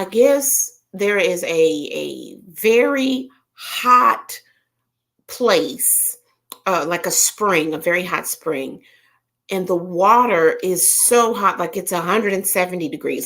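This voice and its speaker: Southern woman hosting a chatty livestream, expressive delivery with a wide pitch range, animated storyteller. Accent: Southern American. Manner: animated storyteller, talks straight to viewers, frequent fillers. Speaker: livestream host chatting with viewers. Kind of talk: casual chat.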